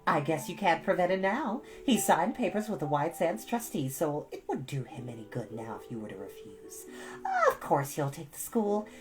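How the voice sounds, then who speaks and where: A woman's voice: deep voice, sing-song, normal speed, faint music behind, voice pushed up. A woman voicing a stout, bossy older village gossip from a storybook, opinionated, emphatic and folksy. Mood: gossipy, emphatic. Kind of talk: storybook character voice.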